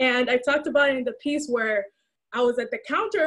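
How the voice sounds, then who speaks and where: Against a quiet background, a woman talks at a moderate pace with a high pitch. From Sudan. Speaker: poet. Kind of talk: poetry performance and panel discussion. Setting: video call. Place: home room. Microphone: video call.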